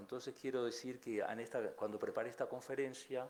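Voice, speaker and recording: A man's voice with audible room echo. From Argentina, Buenos Aires province. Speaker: lawyer giving keynote lecture. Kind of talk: lecture. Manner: halting, many fillers.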